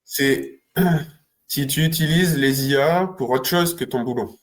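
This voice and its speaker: A male interviewer who talks casually and a little haltingly, often pausing mid-sentence. He sometimes clears his throat before getting to his question. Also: mid-range voice. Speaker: interviewer, channel host.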